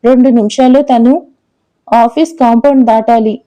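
A woman's voice: fairly high pitch, steady tone, normal speed, lo-fi sound, close to an everyday voice. A woman voicing an angry young husband and company boss who speaks in a curt, stern way.

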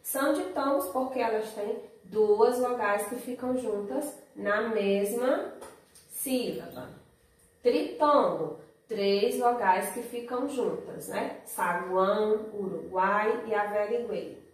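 A Brazilian woman teaching young schoolchildren from afar, her fairly high voice ringing around a very echoey room. She is a little distant from the mic. She explains each step patiently and keeps checking the children follow. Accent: Brazilian Portuguese. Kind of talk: remote lesson for children.

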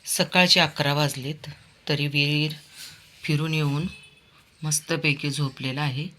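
A woman's voice: sits low, steady tone, takes it slowly, sharp tone, a little hiss or hum. A woman vlogging her dog, chatting away and fondly scolding and coaxing him. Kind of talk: casual pet vlog commentary. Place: outdoors on a walk, later at home.

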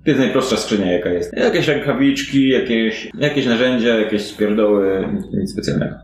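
Man, game master, deep-ish voice, halting improvised narration, conversational, echoey room. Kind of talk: improvised narration of a fantasy detective tabletop game. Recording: roomy echo, audible background noise.

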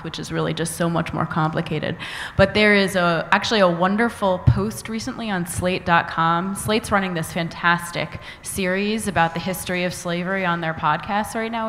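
A woman's voice: lowish voice, fairly bright tone, slight background noise. A woman author speaking on a stage panel, articulate and enthusiastic. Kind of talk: panel discussion. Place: auditorium stage before an audience. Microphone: table microphone. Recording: long hall reverb, faint ambience.

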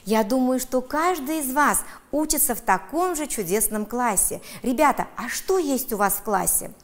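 A woman with an Uzbek accent teaches first graders on television, her voice a little high and swinging widely up and down. She speaks slowly and in a sing-song way, stretching words out so that small children can follow along. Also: animated. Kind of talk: televised lesson for young children.

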